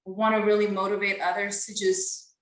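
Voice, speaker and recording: A woman's voice: medium pitch, little pitch movement, moderate pace, reverberant, rough recording. A young woman from Ethiopia, a podcast guest, answering interview questions in an earnest, casual way with frequent fillers.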